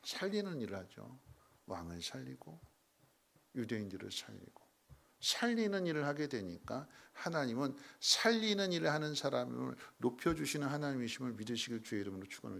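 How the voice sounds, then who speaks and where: A man preaching a sermon in a church, dramatic, with sudden loud emphatic peaks and rhetorical questions to the congregation. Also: medium pitch, gravelly. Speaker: pastor. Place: church sanctuary.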